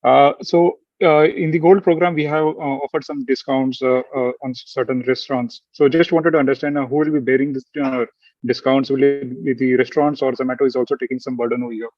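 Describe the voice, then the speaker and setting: A man's voice: medium pitch, steady tone, brisk, no room sound. A man speaking as a financial analyst, asking questions politely and hesitantly on an earnings call. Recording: dull, muffled call audio.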